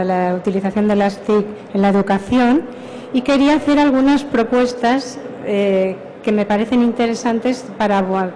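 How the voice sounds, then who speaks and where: A middle-aged woman with a Spain Spanish accent, a university professor giving a conference talk in a relaxed, informal, slightly self-deprecating way. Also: mid-range voice, rough recording. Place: conference room.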